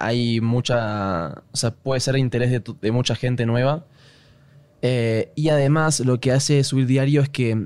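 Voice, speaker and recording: Recorded very cleanly against a silent background, a man talks at medium pitch with very even loudness and fairly even intonation. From Uruguay. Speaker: YouTuber. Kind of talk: casual chat.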